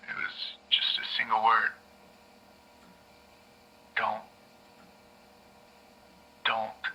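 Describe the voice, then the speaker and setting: An actor playing a shaken young man recounting a trauma on a tape recording, halting and stammering, sometimes dropping to a whisper. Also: fairly low pitch, pushed and bright, slightly rough, exaggerated voice, rough recording. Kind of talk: audio drama narration.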